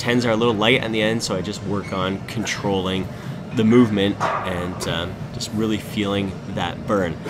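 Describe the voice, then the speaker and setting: A man's fairly low voice at a moderate pace over noticeable background noise. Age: 30s. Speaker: fitness coach. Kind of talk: workout voice-over narration.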